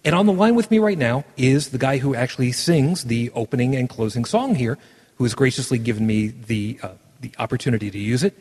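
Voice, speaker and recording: A man's voice: mid-range voice, expressive, a little fast, a little mellow, breathy edge. A man hosting a podcast in a casual chat, rambling with many restarts. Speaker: podcast host. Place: virtual world broadcast. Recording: echoey, washed-out room sound.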